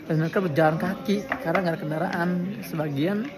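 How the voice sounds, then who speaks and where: Speaking fast in a steady tone, this man's voice sits on the high side. He's a weary Indonesian vlogger, casual and earnest with the occasional soft laugh, covering a busy border crossing outdoors before moving to a cafe, while the murmur of the crowd carries in the background.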